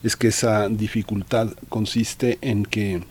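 A man's voice: on the low side, little pitch movement, unhurried, a little mellow, slightly rough. A man co-hosting a radio interview, explaining and summing up for listeners in a reassuring way. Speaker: radio co-host.

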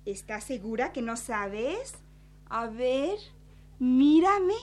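A woman's voice: high-pitched, big pitch swings, slow, slight background noise, exaggerated voice. Nosy teasing young woman played by an actress. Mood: playful. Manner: playful, mocking, teasing.

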